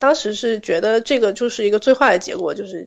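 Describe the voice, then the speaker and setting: A woman talks in an unremarkable speaking voice, fairly high in pitch with ordinary variation. The sound is dry and close, with no echo. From Guangdong, southern China. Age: 20s. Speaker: freelancer recovering from facial paralysis. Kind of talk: podcast interview, personal story.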